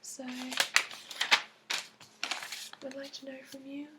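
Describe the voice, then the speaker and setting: A woman voicing a gentle, seasoned dragon keeper in a soft, whispery, hesitant ASMR roleplay with a put-on accent. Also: high-pitched, monotone, brisk, very noisy, close to an everyday voice. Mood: gentle, reassuring. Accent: put-on, phony. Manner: hesitant, gentle, reassuring, full of ums. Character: gentle, seasoned female dragon-keeper interviewing a new recruit. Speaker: dragon companion interviewer and guide.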